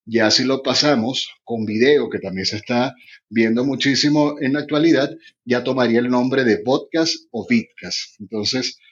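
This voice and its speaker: A man's voice: mid-range voice, moderate pace. A Venezuelan man, a radio broadcaster and podcaster, explains his ideas eagerly and at length in an online panel. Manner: enthusiastic, long winding explanations. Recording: muffled lo-fi audio.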